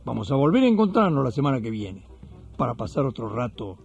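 An Argentine man speaks as a religious radio host and storyteller. His manner is folksy and colloquial, with a mellow, mid-pitched voice over faint music. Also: big pitch swings, fairly quick, gravelly, dull audio.

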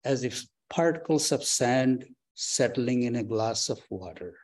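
A man leading a guided breathing meditation, giving slow, calm, soft instructions with long pauses. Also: medium pitch. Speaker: meditation teacher. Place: temple or meditation hall.

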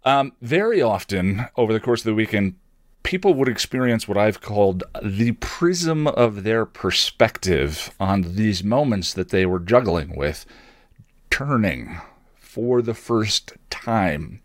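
Deep voiced guy on a podcast, wry wordy personal story, thinks out loud, very dry close sound. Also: animated, slow, no echo. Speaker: podcast host.

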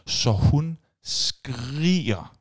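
A man's voice: medium pitch, animated. A man hosting a podcast, telling personal stories in a casual chat and acting out screams and sound effects. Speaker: podcast host.

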